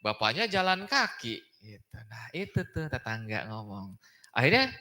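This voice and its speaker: A man's voice: medium pitch, sing-song, moderate pace, pushed and bright. A man giving a casual Islamic study talk in a mosque, chatty and often tagging his phrases with a questioning aside. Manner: chatty, tags phrases with "gitu kan ya". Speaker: preacher.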